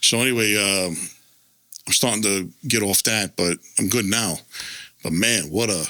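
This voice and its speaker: A man with a New York accent talks at a moderate pace, his pitch fairly low and his tone bright and sharp. His loudness stays very even, broken by long, frequent pauses. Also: ordinary pitch variation. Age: 50s. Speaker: former mobster, show host. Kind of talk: casual chat.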